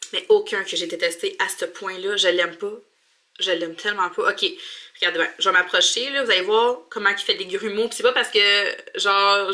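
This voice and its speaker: Young quebec woman vlogging in her bathroom, super bright voice, chatty and slangy. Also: medium pitch. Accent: Quebec French. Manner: informal, colloquial, chatty. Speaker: mom vlogger. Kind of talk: casual vlog chat to camera. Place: home bathroom.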